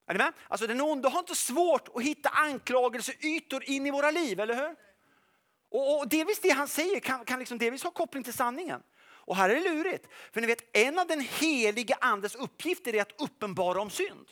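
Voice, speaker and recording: A middle-aged man preaching a sermon in an animated, jokey way, often checking that his listeners follow along. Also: extremely high pitch. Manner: animated and jokey, asks the audience "are you with me?".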